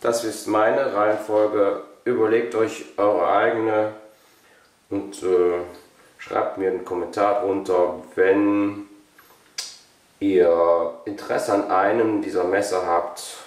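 A man presenting a collection as a channel host, unscripted and casual, haltingly thinking aloud. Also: lowish voice, flat delivery. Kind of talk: casual product showcase, unscripted. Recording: roomy echo, distant microphone.

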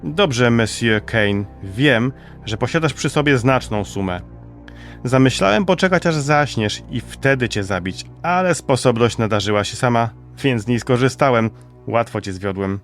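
A man playing a cynical French highwayman, silky and coolly menacing, in an audiobook drama. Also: expressive, moderate pace, soft background music, natural voice. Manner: mocking, smooth menace.

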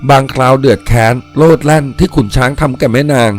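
A man's voice: mid-range voice, quick pace, close to an everyday voice. A lovestruck painter, acted by a male storyteller pours out devotion in a fervent, insistent plea. It is a storybook telling with music in the background. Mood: pleading, lovelorn. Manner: fervent, stammering, insistent pleading.

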